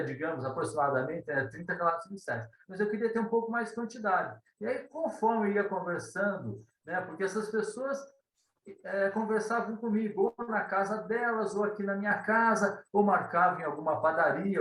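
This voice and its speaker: High-voiced man in a roomy echo. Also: fairly bright tone, far from the mic. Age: 50s. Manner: meandering, hesitant, frequent tag questions. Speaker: guest, ufology author. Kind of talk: conversational interview storytelling.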